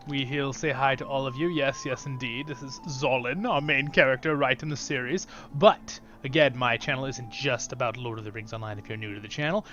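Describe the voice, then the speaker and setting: A man hosting his channel, giving casual, chatty commentary while playing a fantasy game. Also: mid-range voice. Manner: upbeat, chatty, drifts into softer asides. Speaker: YouTube channel host.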